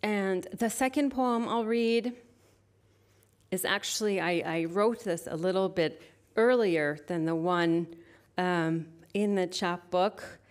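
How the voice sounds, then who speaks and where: Woman poet reading slowly on stage. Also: fairly low pitch. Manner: hesitant, halting introduction, then slow measured reading. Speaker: poet and university lecturer. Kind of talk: poetry reading with spoken introduction. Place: stage at a literary venue. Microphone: stage microphone.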